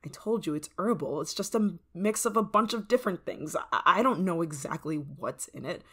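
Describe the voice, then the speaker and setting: A woman voicing an obsessive, controlling neighbor in an ASMR roleplay, soft-spoken and slipping into whispers with a sweet, creeping menace. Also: lowish voice, breathy edge. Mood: menacing.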